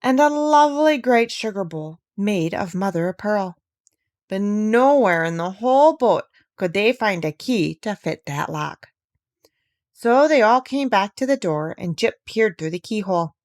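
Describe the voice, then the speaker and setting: Animated woman reading a children's story. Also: medium pitch, a little slow, no room sound, clean studio sound. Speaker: audiobook reader. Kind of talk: expressive children's story narration.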